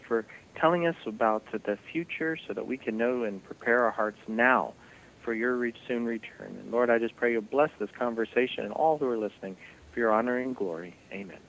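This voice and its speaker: A man's voice: mid-range voice, fairly bright tone, dull audio. A man, a guest on a Christian radio show, talking in a friendly way and laughing easily. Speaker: ministry guest. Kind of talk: radio interview conversation.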